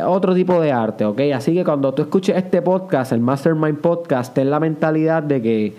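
A man's voice: medium pitch, dark tone. A young man hosting a motivational podcast, talking conversationally, repeating key words and dropping in English phrases. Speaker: podcast host. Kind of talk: motivational monologue.

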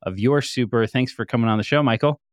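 A man hosts a casual interview show and asks upbeat, friendly questions with easy fillers. His pitch is middling. The recording is dry and close. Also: fast talker, no echo. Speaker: show host.

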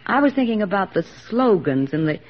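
A woman's voice: mid-range voice, very animated, brisk. A woman playing an earnest young army nurse in a 1940s radio drama, speaking with heartfelt sincerity. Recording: dull old radio broadcast recording.

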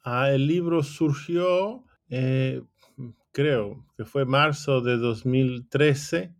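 A man, a professor and author, answering interview questions with hesitant pauses and restarts. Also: medium pitch. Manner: hesitant, many fillers and restarts.

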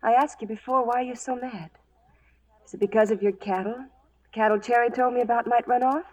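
A woman's voice: a little high, steady tone, brisk, darkish tone, close to an everyday voice. An actress playing a bold, worldly dance-hall girl, direct and probing in a radio western. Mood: challenging. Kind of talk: 1940s radio western acting. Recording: muffled vintage radio recording.

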